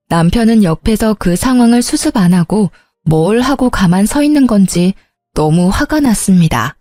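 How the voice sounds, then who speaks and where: A woman's voice: mid-range voice, dark tone, no echo, studio quality. A young woman narrating her own story, telling it in a plain, indignant first-person way.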